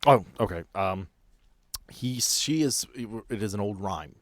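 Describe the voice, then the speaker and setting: Male game master, horror tabletop session, casual storytelling, lowish pitch, very little room sound. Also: animated, unhurried, no echo, clean studio sound.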